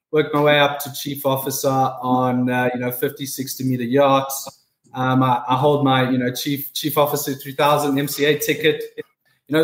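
Young man in an echoey room. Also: a little high. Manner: casual, repeats words, uses "you know" often. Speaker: business development manager, former yacht officer. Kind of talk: podcast interview answers.

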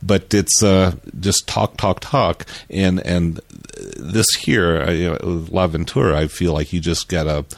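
Very deep man, halting and reflective. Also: fairly even intonation, creaky, no room sound. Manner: halting and reflective, many fillers. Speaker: podcast panelist. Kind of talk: casual film discussion.

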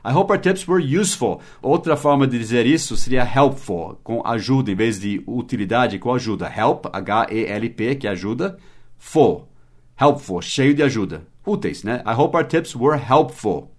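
A man's voice: medium pitch, animated. Man spelling out English words. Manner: spells words letter by letter, switches into slow English examples. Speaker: English teacher. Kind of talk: mini-podcast language lesson.

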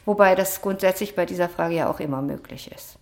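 A woman author answering interview questions in a measured, academic way, with frequent hesitation sounds. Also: lowish voice, creaky, a little mellow, a little hiss or hum. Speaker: author and social scientist, interview guest.

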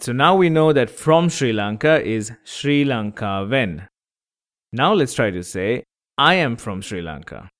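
Man, language tutor, very unhurried delivery, patient, spells out syllables. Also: mid-range voice. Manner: patient, repeats examples slowly; breaks words into syllables. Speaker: language teacher. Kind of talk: podcast language lesson.

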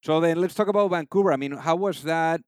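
A male podcast host with a slightly high, smooth and resonant voice. He talks eagerly and rambles, filling his questions with "you know" and trailing asides. The sound is dry and close. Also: fast talker, darkish tone, no room sound. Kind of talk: interview questions.

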